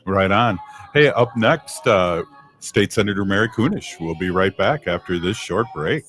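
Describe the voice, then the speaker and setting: A man's voice: deep voice, expressive, a little slow. A man hosting a radio talk show in an easygoing way, speaking into a close studio mic. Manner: easygoing, warm thanks, brief affirmations. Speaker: radio host.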